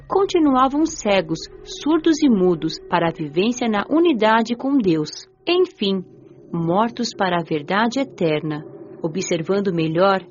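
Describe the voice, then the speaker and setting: A woman playing a gentle, devout young spirit who recounts the afterlife in measured, reflective radio drama narration. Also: fairly high pitch, highs cut off. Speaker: narrator and lead of an audio drama. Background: music.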